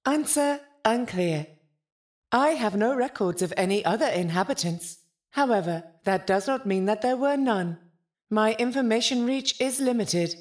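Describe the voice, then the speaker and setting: A woman's voice: fairly high pitch, lively intonation, measured pace. A woman voicing a polite, literal-minded spaceship artificial intelligence in an audio drama, formal, precise and detached.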